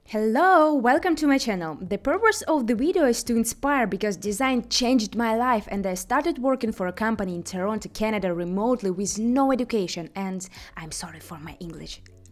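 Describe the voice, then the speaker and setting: Woman in a Ukrainian accent with lively intonation, big swings in loudness, a fairly quick pace and hardly any pauses, on a very clean recording with a silent background. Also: fairly high pitch for a woman. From Ukraine, Kyiv. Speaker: product designer and vlogger. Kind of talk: personal vlog monologue.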